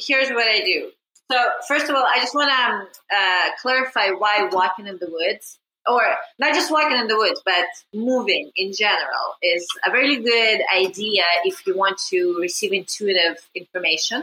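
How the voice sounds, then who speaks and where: Lively in intonation and fairly high in pitch, a woman speaks with a Russian accent. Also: moderate pace. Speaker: life coach. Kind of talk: interview. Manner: halting.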